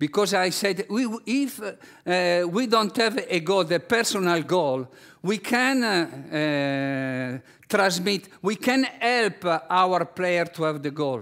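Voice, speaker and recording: In an Italian accent, a high-pitched man talks at a very slow pace with lively intonation and big swings in loudness. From Italy. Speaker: basketball coach mentor. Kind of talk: webinar presentation. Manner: halting, many fillers and restarts.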